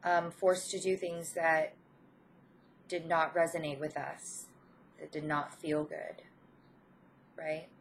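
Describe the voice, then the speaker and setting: Casting: woman, lowish voice with a head cold, gentle encouraging online tarot reader, hesitant phrasing, slight background noise. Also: flat delivery, slow pace, long pauses. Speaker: spiritual tarot reader and channel host. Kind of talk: informal spiritual card reading to viewers.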